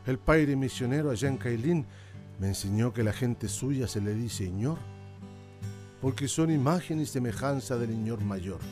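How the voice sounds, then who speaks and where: A man's voice: medium pitch, lively intonation, normal speed, a little mellow, faint music behind, close to an everyday voice. An actor playing an embittered, mournful old indigenous man, speaking plainly and deferentially in a radio drama. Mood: humble, wistful. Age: older. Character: anguished, embittered old indigenous man, last of his people.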